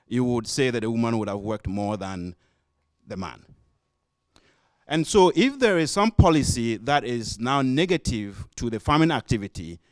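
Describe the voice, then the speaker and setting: A man from Ghana with a Ghanaian accent, giving a measured, step-by-step spoken comment from the audience at a panel discussion. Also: mid-range voice, no room sound, clean studio sound. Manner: measured, illustrative storytelling. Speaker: audience member. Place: conference room.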